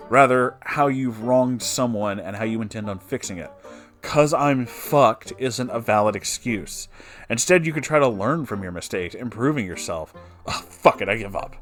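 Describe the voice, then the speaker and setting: A man's voice: mid-range voice, a bit bright. A man narrator reading a written personal story aloud, with brief asides of his own. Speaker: narrator reading online stories.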